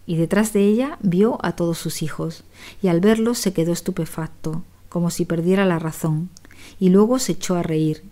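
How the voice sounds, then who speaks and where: A woman reading a storybook aloud as an audiobook narrator, in a measured, dramatic way. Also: fairly low pitch, mellow.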